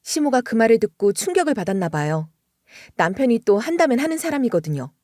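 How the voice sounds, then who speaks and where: A woman's voice: a little high, big pitch swings, quick pace, warm tone, no echo, studio quality. A woman narrating a true-life family story in the first person, in a conversational, confiding way.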